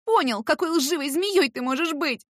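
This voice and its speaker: A woman voicing a jealous, tearful young woman who lashes out at her old friend in a shrill, accusing way. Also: lively intonation, normal speed, a bit bright, no room sound. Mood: hateful. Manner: shrill, accusing, close to sobbing.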